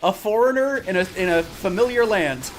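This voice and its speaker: A man's voice: sits high, lively intonation, moderate pace, slight background noise. A man in casual voice chat while gaming, joking and teasing. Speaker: gamer chatting while playing.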